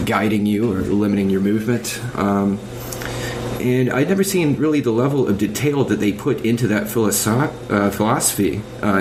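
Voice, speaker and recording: A man talking casually as a podcast panelist about games, explaining things in measured, articulate phrases. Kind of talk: casual video game discussion. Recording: noisy low-quality online voice chat.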